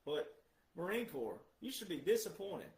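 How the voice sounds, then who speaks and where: Male commentator, high register, roomy echo; emphatic, repeats key words for stress. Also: big pitch swings, normal speed, a little mellow. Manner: emphatic, asks rhetorical questions then answers them. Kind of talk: monologue commentary.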